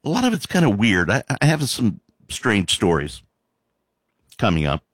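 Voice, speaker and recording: A man filling in as a talk radio host, chatting casually with a deep voice and loose asides. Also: wildly swooping pitch, moderate pace, no room sound. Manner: loose, conversational, with fillers and asides.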